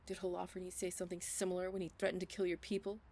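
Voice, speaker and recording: A woman's voice: lowish voice, monotone, fast, heavy background noise, lightly acted. A woman playing a devoted, grief-stricken and defiant young heroine in an audio drama. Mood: grim, defiant.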